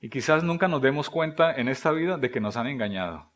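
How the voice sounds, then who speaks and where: A man preaching a sermon, asking rhetorical questions and voicing quoted prayers, his delivery swinging between loud emphasis and near-whispers. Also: mid-range voice, expressive, quick pace. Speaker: pastor.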